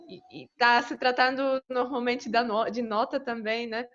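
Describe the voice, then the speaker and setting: A woman's voice: on the high side, fairly even intonation, moderate pace, a bit bright, highs cut off. A Polish woman with a Polish accent, a guest in a video-call interview, speaking thoughtfully with many hesitations. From Poland. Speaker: guest, polyglot.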